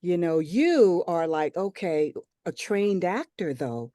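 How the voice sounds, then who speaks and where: Woman co-host, very low pitch, lively animated delivery, dry mic. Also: takes it slowly, no room sound. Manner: animated, acts out quoted thoughts, frequent affirming interjections. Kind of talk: online training webinar.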